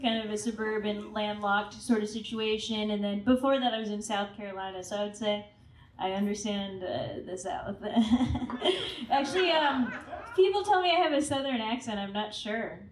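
A young woman, a comedian from Pakistan raised in Virginia, chatting in a relaxed, self-deprecating way and laughing often. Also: mid-range voice, normal speed, a little hiss or hum. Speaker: comedian guest. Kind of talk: casual chat on a live show. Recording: echoey room, voice from far off mic.

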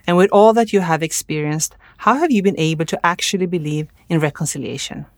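A woman from Sweden with a Swedish accent, hosting a podcast in a measured, clear way. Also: lowish voice, no room sound, clean studio sound. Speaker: podcast host. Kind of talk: scripted intro and interview questions.

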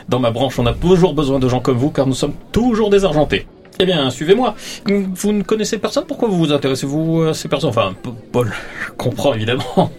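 A man's voice: medium pitch, darkish tone, lightly acted. A man voicing a fussy, gossipy male sports club committee man in a tabletop role-play, full of hesitations.

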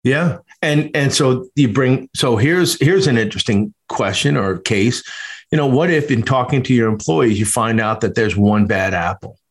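A man hosts a business podcast, his voice sitting in an ordinary middle pitch. He talks in a lively, storytelling way, and sprinkles in "you know" and asides as he works through examples. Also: normal speed. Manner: animated, storytelling with acted quotes. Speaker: podcast host. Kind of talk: conversational interview.

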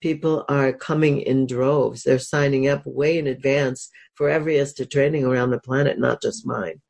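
A woman with a cold and a gravelly voice, a coach talking as an interview guest, enthusiastic, with fillers and restarts. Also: a bass voice, fairly even intonation, normal speed, a little mellow. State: has a cold. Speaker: sex and happiness coach, guest. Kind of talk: casual interview talk.

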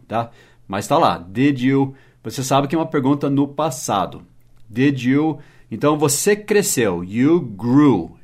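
A man with an ordinary mid-pitched voice hosts a relaxed English lesson podcast. He explains patiently, repeats key words and spells them out letter by letter for his listeners. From United States and Brazil. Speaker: English teacher and podcast host. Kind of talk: casual spoken English lesson.

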